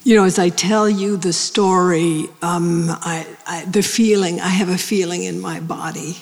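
A woman in her seventies speaking slowly to a live audience, halting and searching, with many pauses and restarts. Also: on the low side, fairly even intonation. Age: 70s. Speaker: speaker on end-of-life care at a public talk. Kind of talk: reflective talk to a live audience. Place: large hall with an audience. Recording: long hall reverb.

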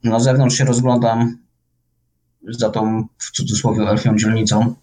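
A man casually role-playing in a tabletop game, describing his actions in a halting way. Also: lowish voice, flat delivery, dark tone, low-quality recording.

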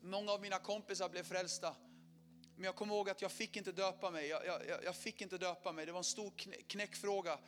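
A middle-aged man telling his conversion story as a sermon testimony, animated, acting out quotes and swinging from loud to hushed. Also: sits high.

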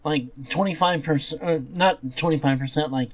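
A man co-hosting a podcast in casual movie chat, often pausing and correcting himself as he goes. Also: a little high. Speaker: podcast co-host.

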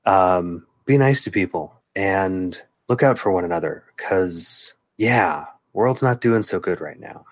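A man hosting a casual podcast over a remote call, talking in a calm, soothing radio-style way. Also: low voice, unhurried, few pauses, dry recording. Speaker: podcast host.

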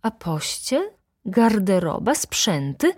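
A woman's voice: mid-range voice, big pitch swings, slow, husky, dry recording, clean studio sound, heavily acted. A woman voicing an anxious, flustered noble lady who speaks in a feverish, pleading way. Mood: agitated.

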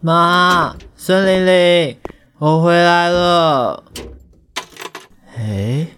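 A man's voice: high voice, very slow, fairly bright tone, a little hiss or hum, heavily acted. An actor with a Taiwanese accent playing a sweet, scatterbrained, easily flustered young gay man in a radio drama. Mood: grumbling. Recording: music behind the voice.

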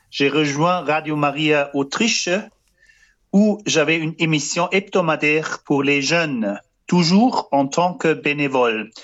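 A man's voice: fairly high pitch, fairly bright tone, dull audio. A man in his fifties from Germany with a German accent, a priest speaking as a guest on radio and searching for his French words with many fillers and restarts. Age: 50s. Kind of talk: radio interview answers.

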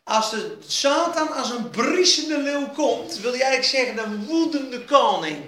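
A man preaching an evening sermon with emphasis, repeating key phrases and dropping to quiet asides. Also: very high voice, animated, unhurried. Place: evening church meeting. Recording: echoey hall, faint background noise.

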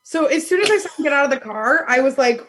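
A woman in her thirties with a loud voice, telling a dating story in casual chat, animated and laughing often. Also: high voice, quick pace. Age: 30s. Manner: animated, laughs often, acts out quoted lines.

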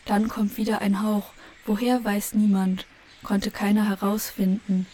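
A woman giving a measured, contemplative literary narration for an audio play. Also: medium pitch, little pitch movement, dark tone. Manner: measured, contemplative, with lingering repetitions.

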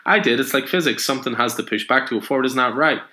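A man doing a curious little girl, pitched up. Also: fast talker, pushed and bright, natural voice. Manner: inquisitive, eager. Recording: echoey room.

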